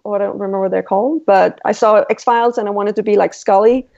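A woman from Denmark with a Danish accent, a Danish native speaker, answering relaxed interview questions and pausing to search for words. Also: medium pitch, creaky. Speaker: illustrator guest. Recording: dull lo-fi call audio.

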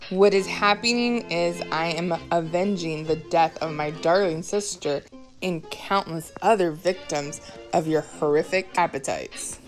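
A woman's voice: on the low side, natural voice. A woman playing a cold, vengeful vampire hunter in an audio horror story, formal and menacing.

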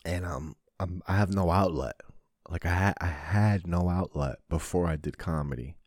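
Tearful low-voiced man opening up. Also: darkish tone, no echo, clean studio sound. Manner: halting, swears a lot, many restarts. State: crying, sniffling. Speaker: podcast host. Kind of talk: emotional confessional monologue.

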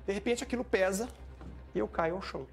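A man recounting a tense event in an interview, animated and acting out what people said. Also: high-pitched, a little fast, vocal fry, breathy edge. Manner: animated, acts out shouting and quoted speech. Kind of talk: emotional first-person account.

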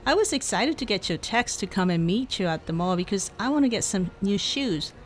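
A woman's voice: mid-range voice, expressive, fairly quick, soft background music, close to an everyday voice. A young woman playing a chatty, upbeat student friend. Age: young adult.

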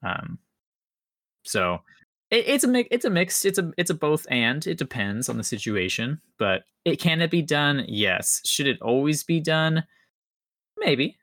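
A man's voice: a little high, sing-song, a little slow, a bit bright, dry recording, studio quality. A young man podcast co-host chatting casually in an enthusiastic, rambling, slangy way. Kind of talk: casual chat.

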